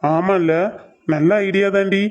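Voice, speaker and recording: A man voicing a gruff, stubborn middle-aged husband and father who speaks curtly. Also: high-pitched, steady tone, slow pace, lo-fi sound. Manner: gruff, curt. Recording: soft music underneath.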